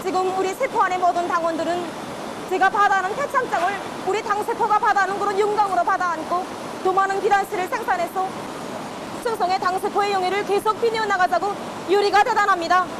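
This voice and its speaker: A woman's voice: very high-pitched, fairly even intonation, a crowd in the background. A woman with a North Korean accent giving an earnest, reverent rehearsed statement in a television interview. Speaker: worker and party cell secretary interviewee. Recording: loud rushing background noise.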